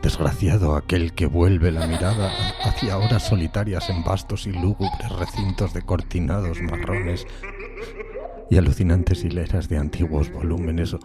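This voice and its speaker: An actor playing a tormented, solitary outcast in a gothic horror audiodrama, speaking in a brooding, solemn, halting dramatic way. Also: male voice, low voice, fairly even intonation, natural voice. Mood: gloomy, mournful. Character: tormented solitary outcast man recalling a decayed gothic castle. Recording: music bed behind the voice.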